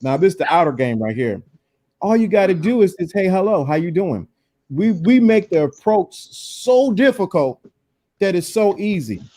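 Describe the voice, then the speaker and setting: A man in his forties with a mellow, slightly high voice gives casual advice. He talks quickly and leans on repetition to drive his points home. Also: big pitch swings. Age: 40s.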